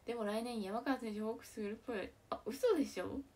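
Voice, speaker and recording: Young woman, slightly high voice, casual live-stream commentary, excitable, reacts aloud, sometimes whispers. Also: fast. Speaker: idol streaming live reactions to a baseball game.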